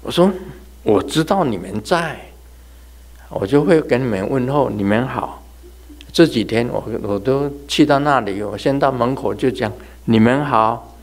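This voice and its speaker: A man's voice: mid-range voice, unhurried. A man giving a religious talk in a chatty, storytelling way, laughing and imitating sounds as he goes. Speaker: religious teacher. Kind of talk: sermon told as humorous ghost anecdotes.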